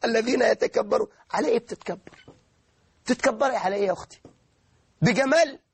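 A man preaching a sermon in an Egyptian Arabic accent, impassioned, now soft, now shouting. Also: extremely high pitch, fast talker, creaky, husky, dry recording.

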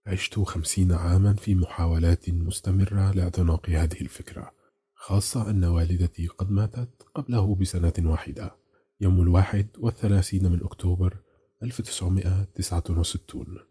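A man's voice: low-pitched, fairly even intonation, brisk, warm tone, breathy edge. A man reading a bitter haunted middle-aged caller. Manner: bitter, restrained anger. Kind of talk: audiobook character reading.

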